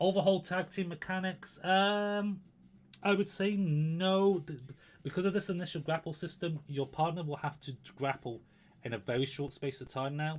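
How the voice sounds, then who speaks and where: A somewhat breathy man with a British accent at a moderate pace. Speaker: gaming YouTuber answering viewer questions. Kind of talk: live stream Q&A. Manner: hesitant, many fillers.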